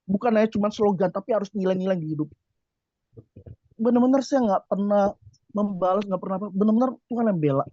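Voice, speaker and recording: A man giving a preaching testimony to a congregation, telling his story in an animated way and asking the listeners rhetorical questions. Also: high voice, fast talker, long pauses, no echo. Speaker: church office worker giving a testimony. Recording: dull, dry lo-fi recording.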